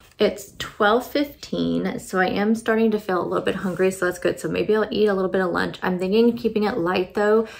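Amid noticeable background noise, a woman talks at a medium pitch. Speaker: lifestyle vlogger. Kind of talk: casual vlog chat. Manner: casual, filler-heavy.

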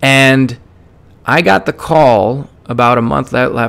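A man speaks at a medium pitch with fairly even intonation. His is a plain, everyday voice. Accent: American. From Bronx, New York. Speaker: army veteran and YouTuber. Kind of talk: life story told in casual first-person monologue. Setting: solo monologue to a channel audience. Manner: conversational, rambling, with fillers and self-corrections.

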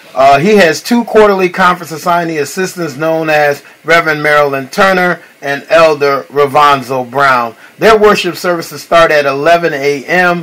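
Moderate-paced speech from a man, fairly high in pitch, ordinary in pitch variation, over noticeable background noise. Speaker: ministry leader. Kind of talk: church announcements. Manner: halting, many fillers and repetitions.

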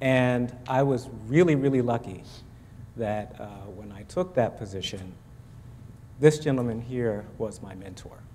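Over light background noise, the voice moves at a fairly slow pace with long, frequent pauses, ordinary pitch variation and big swings in loudness. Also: man. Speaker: panel moderator, horn professor. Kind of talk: panel discussion. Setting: conference stage with audience. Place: hall. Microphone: lapel.

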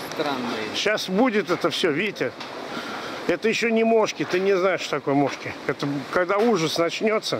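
This man's voice sits high in pitch. The sound is dry with no echo, but there is noticeable background noise. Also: moderate pace. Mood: joking, relaxed. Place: forest. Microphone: phone near.

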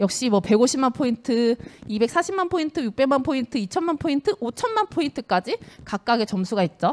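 Her voice is high and swings very widely in pitch while the loudness stays very even. The woman speaks at a fairly slow pace. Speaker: business seminar speaker; speaker. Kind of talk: lecture. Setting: seminar hall with live audience. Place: hall. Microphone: handheld.

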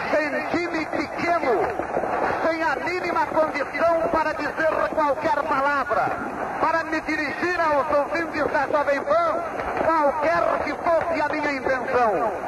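A man's very slow speech under loud background noise. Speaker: radio sports commentator. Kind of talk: commentary. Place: stadium. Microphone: old recording.

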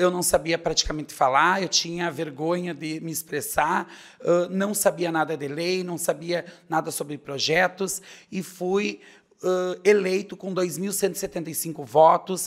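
A man's high-pitched voice at a very slow pace, with fairly even intonation and a quiet background. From Itaqui, Rio Grande do Sul, Brazil. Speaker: city councillor. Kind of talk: political interview. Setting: studio. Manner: halting. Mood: earnest, emotional life story. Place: studio. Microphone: podium.

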